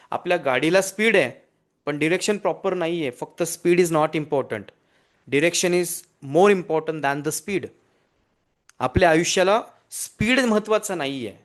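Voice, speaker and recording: A man giving a lively counseling lecture over a video call. He repeats key points, checks in with his listeners often and slips English phrases into his speech. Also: on the high side. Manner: energetic, repetitive, mixes in English phrases. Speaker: counselor and hypnotherapist. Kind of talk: motivational online lecture.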